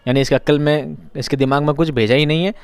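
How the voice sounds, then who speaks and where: A male Urdu teacher explaining a short story in a lively, conversational way, acting out the characters' dialogue. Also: on the high side, fast, smooth, no room sound.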